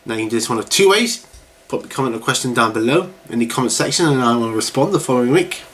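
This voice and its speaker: A middle-aged man hosts a hobby Q&A video series, chatting casually and rambling to camera in a medium-pitched, fairly bright voice that's animated and fast. He's getting over a cold, so he sounds slightly congested and coughs. The home recording is clearly noisy.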